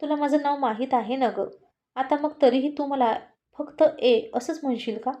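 A woman voicing a calm, confident young male college student who speaks gently and reassures his friend in a storybook reading. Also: high-pitched, normal speed, pitched above the performer's own voice, natural voice. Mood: teasing, reassuring.

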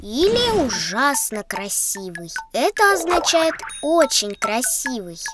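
A woman voicing a little childlike creature, calmly instructing in a children's educational cartoon. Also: sits high, slow, over loud music, exaggerated voice. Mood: gentle advice.

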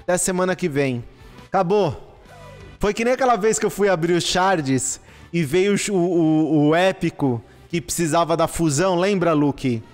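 A man, commentating a live gaming stream, excitable and exclaiming and swearing at what he gets. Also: on the high side, moderate pace. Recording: long reverb with faint music behind. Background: faint background music.

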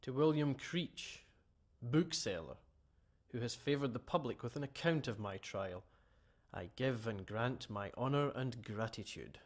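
An actor playing a vain, haughty gentleman thief in a radio play, wry and mocking. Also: medium pitch, unhurried. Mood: mock solemn. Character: vain, defiant gentleman thief awaiting execution.

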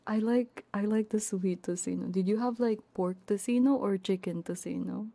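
A woman livestreamer chatting casually with viewers in a giggly, bantering way, often slipping into soft ASMR whispers. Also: mid-range voice, moderate pace, gravelly, dry recording.

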